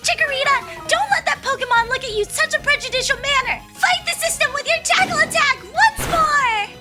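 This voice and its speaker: A woman's voice: extremely high pitch, normal speed, over music. A woman voicing a chirpy, oblivious young girl trainer with a bubbly, bluntly condescending manner in a comedic cartoon fan dub. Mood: indignant.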